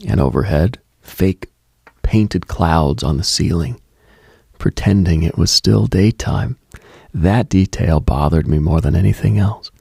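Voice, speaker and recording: A man hosting late-night radio with a brooding, deliberate scripted monologue in a hushed, husky, gravelly voice. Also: deep voice, no room sound, studio quality.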